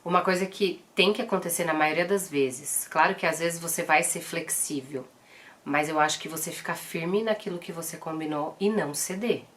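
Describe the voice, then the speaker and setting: Brief: Brazilian woman, 30s, mother-vlogger, lowish voice, direct and earnest. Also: moderate pace, fairly bright tone. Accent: Brazilian Portuguese. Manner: earnest and direct, firm when quoting commands. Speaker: mother sharing parenting advice. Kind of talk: casual advice vlog.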